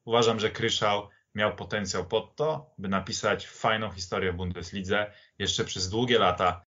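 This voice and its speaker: A man giving his opinions in a football discussion, emphatic and halting, repeating phrases for weight. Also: fairly low pitch, sharp tone, lo-fi sound. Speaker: podcast guest, football pundit.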